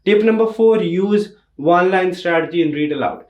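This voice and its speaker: A man's voice: sits high, moderate pace, a little mellow, echoey room. A young man with an Indian accent teaching exam tips in an emphatic tutorial style, repeating key points. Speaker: test prep teacher. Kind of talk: instructional tutorial.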